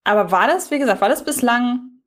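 A woman's voice: on the high side, expressive, a little fast. A woman hosting a podcast, casually discussing audio dramas in conversation. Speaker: podcast host.

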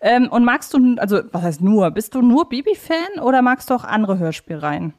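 A woman's voice: fairly high pitch, very animated, fairly quick, a little mellow. A woman co-hosting a podcast, chatting casually and putting questions to a guest. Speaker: podcast co-host. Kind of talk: casual interview chat.

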